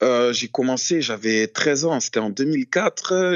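Very slowly, a man talks at a medium pitch with ordinary pitch variation. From Bordeaux, France. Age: 30s. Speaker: logistics worker. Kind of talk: casual chat.

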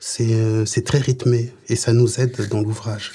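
Over light background noise, a man speaks at a fairly slow pace in a medium pitch. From northern France (Picardy), born in Haiti; France. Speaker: stonemason. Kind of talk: personal testimony. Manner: hesitant, many fillers and repetitions. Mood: calm, reflective, some sadness. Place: studio.

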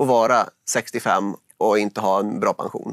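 The sound is dry with no echo, and the background is quiet. A man talks with ordinary pitch variation. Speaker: podcast host. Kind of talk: interview. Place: studio. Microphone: lapel.

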